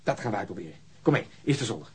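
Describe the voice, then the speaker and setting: Norse speurder met lage, zeer hese stem. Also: male voice, fairly low pitch, lively intonation, rapid-fire, darkish tone, husky. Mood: businesslike. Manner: curt, musing, matter-of-fact. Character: stern, methodical male police investigator searching, curt. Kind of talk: naturalistic Dutch radio drama acting.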